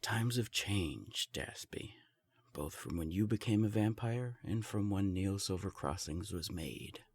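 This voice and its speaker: Man playing a smug, very deep ancient vampire. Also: expressive, breathy edge, full character voice. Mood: commanding, self-assured. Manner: taunting, unhurried, self-assured. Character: smug, ancient, powerful male vampire enforcer. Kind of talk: scripted audio drama acting.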